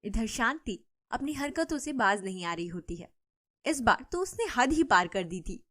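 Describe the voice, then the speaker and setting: A woman narrates an animated storybook in a steady, scripted telling. Her voice sits a little higher than usual for a woman. The delivery is even and clear. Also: moderate pace.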